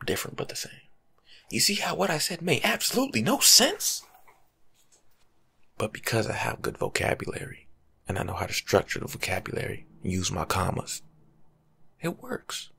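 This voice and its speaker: A young man doing soft-spoken ASMR as a laid-back, rambling life coach, husky and often slipping into a whisper. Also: mid-range voice, big pitch swings, moderate pace, pauses often. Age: young adult. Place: small room at home.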